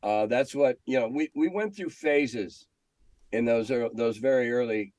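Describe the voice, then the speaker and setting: A man's voice: medium pitch, unhurried, darkish tone, no room sound. Older man, American accent, blunt, opinionated, salty, reminiscing interview talk, dry recording. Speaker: veteran game editor being interviewed.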